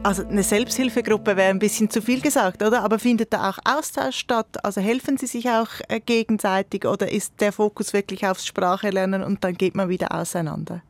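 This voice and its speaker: A woman's voice: mid-range voice, steady tone, fairly quick, few pauses. A woman interviewer, asking probing, conversational questions. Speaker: radio interviewer.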